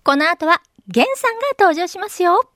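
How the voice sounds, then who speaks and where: A high-voiced woman hosts a radio show in a polite, bright announcer style. She reads the weather and chats with guests over a clear music bed. Her delivery is friendly and well paced. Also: lively intonation, normal speed. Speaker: radio host.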